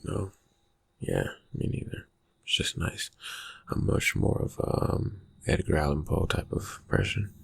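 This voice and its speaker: A man playing a reclusive, slyly menacing vampire friend in an ASMR roleplay, murmuring haltingly in a raspy, breathy voice with dry suspicion. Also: deep voice, big pitch swings, full character voice. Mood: soft, musing. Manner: hesitant, halting, laconic, dryly suspicious. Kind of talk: ASMR roleplay, soft-spoken character talk.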